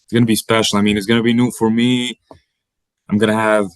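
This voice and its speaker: A young man from Bosnia, Bosnian native, speaking English as a college basketball player in an interview, halting and repeating words as he searches for them. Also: on the low side, little pitch movement, smooth, no echo. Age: young adult. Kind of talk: interview answers.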